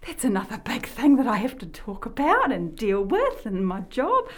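A woman's voice: a little high, wildly swooping pitch, normal speed. A woman with a New Zealand accent who works in health promotion, hosting a casual radio chat and talking in a rambling way that often sidetracks itself. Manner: chatty, rambling, sidetracks herself. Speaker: health promotion worker and show host.

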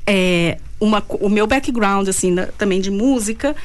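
A Brazilian woman, a singer-songwriter, chatting casually as an interview guest and telling stories with quick laughs between phrases. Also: mid-range voice.

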